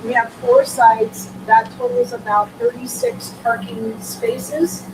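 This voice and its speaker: Animated woman with a loud voice. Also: fairly high pitch, slow, creaky. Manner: animated, self-interrupting answers. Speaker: shelter program staff. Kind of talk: community meeting Q&A. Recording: distant mic with background noise.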